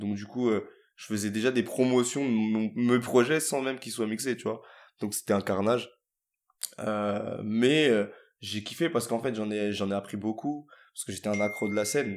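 On a very clean recording with a silent background, a man with a fairly low pitch speaks at a moderate pace with fairly even intonation, big swings in loudness and long, frequent pauses. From Seine-Saint-Denis, France. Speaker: rapper. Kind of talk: casual interview.

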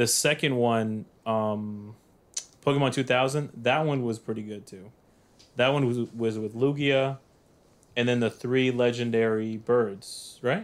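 A man speaks slowly, at a fairly slow pace, in a medium pitch with fairly even intonation and a plain, everyday voice. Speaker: podcast host. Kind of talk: casual group chat.

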